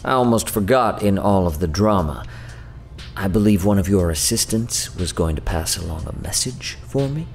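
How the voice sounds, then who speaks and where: Low-voiced, sardonic rogue, music behind. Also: male voice, animated, moderate pace, creaky, darkish tone. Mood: sly, flippant. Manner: slangy, sardonic, casually profane. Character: irreverent, roguish male otherworldly emissary, whiskey-drinking schemer. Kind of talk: audio drama acting.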